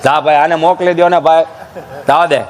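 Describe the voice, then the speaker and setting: A man voicing a grumpy old village man who gruffly shoos someone away. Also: fairly high pitch, fairly even intonation, fairly quick, long reverb tail, faint music behind, voice pushed down, lightly acted. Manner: gruff, dismissive, shooing away.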